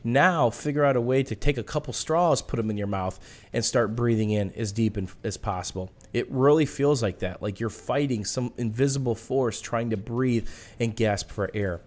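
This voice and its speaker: A short-winded man with a smoker's rasp and audible breathing, casually telling personal stories over video game commentary. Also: mid-range voice, moderate pace, darkish tone. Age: adult. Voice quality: raspy smoker's-cough sound. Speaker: gaming video host.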